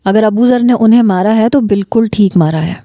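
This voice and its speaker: A woman's voice: medium pitch, dry recording, muffled recording, close to an everyday voice. A woman voicing a confident, talkative young college girl in a storybook reading. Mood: brash. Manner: talkative, brash, self-assured.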